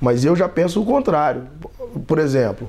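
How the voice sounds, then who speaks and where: A man's dark, mellow voice, fairly high in pitch, with very wide pitch swings at a moderate pace. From Espírito Santo, Brazil. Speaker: advertising and marketing professional; interview guest. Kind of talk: interview. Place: home room.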